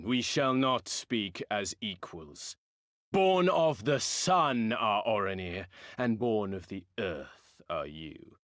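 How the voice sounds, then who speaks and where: An actor playing a haughty, condescending sun-worshipping tribal ruler in a video game, speaking in grandiose, archaic phrases. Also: male voice, mid-range voice, a bit bright, no echo, clean studio sound. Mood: imperious. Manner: pompous, archaic formal speech. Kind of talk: theatrical video game cutscene acting.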